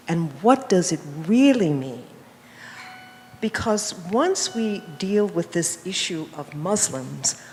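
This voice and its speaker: A woman's voice: deep voice, a little hiss or hum. Impassioned woman speaking from the audience. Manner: impassioned, rhetorical questions. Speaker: audience member. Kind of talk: audience comment. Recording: long hall reverb, faint ambience.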